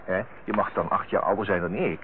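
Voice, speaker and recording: An actor playing a lighthearted, teasing youngest brother in a Dutch radio play, with a jovial, bantering manner. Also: male voice, deep voice, fairly even intonation, a little fast, natural voice. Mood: mock stern. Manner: jovial, bantering, chuckling way of talking. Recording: dull, noisy old radio play recording.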